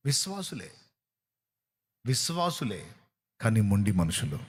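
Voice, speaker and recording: A man's voice: lowish voice, sing-song, measured pace, slightly rough. A man with a Telugu accent preaching a sermon, pressing his point with rhetorical questions and acting out what people say. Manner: emphatic preaching with rhetorical questions and acted-out quotes. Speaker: pastor.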